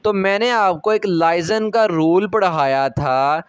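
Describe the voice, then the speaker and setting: Patient high-voiced male teacher. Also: clean tone, no echo, highs cut off. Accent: Pakistani Urdu. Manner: patient, repeats each syllable slowly, frequent checks of understanding. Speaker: language teacher. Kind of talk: step-by-step classroom lecture.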